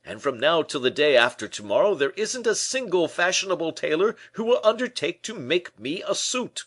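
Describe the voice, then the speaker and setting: A man's voice: a little high, big pitch swings, moderate pace, pitched above the performer's own voice. A man doing a pompous, blustering nobleman. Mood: indignant. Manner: pompous, indignant, loud outbursts. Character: vain blustering middle-aged nobleman, hot-tempered. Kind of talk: audiobook character voice.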